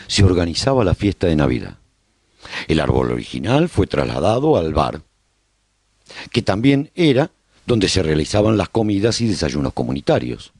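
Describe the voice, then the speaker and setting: A man playing a proud, hopeful survivor in a radio drama, narrating his colony's story as a broadcaster in measured phrases. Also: lowish voice, a little mellow, breathy edge, no echo, clean studio sound, heavily acted. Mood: earnest, hopeful.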